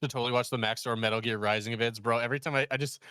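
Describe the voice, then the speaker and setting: A man's voice: mid-range voice, fairly even intonation, very fast, sharp tone, smooth, dry recording, studio quality. A man chatting casually with friends during a video reaction, joking and acting out little quoted asides.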